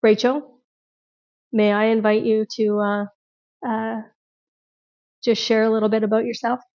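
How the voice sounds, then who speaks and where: A woman hosts a group video call, her voice sitting a little high. She talks loosely, full of "um"s and restarted sentences. The call audio sounds dull and lo-fi. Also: flat delivery, measured pace, a little mellow. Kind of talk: casual group chat.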